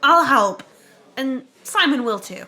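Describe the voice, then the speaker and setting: Woman as a high-voiced, offhand female adventurer. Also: animated, slow, bright, forceful tone, heavily acted. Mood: matter-of-fact. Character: tough yet casual female tavern adventurer. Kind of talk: amateur comic fantasy skit.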